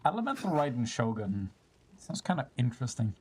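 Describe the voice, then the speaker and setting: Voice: mid-range voice, big pitch swings, a little fast, husky. A game streamer giving casual, playful commentary with slangy, sing-song asides. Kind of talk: casual gameplay commentary with dramatic reading.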